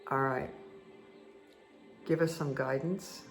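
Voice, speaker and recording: A woman with a croaky voice giving a casual, chatty tarot card reading that speaks directly to the listener. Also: extremely low pitch, steady tone, slow pace. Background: background music.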